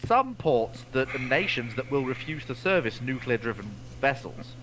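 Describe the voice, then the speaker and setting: A man talks casually as a co-host in a live discussion. His mid-pitched voice moves animatedly up and down, and there is noticeable noise and ambience behind him. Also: expressive, moderate pace.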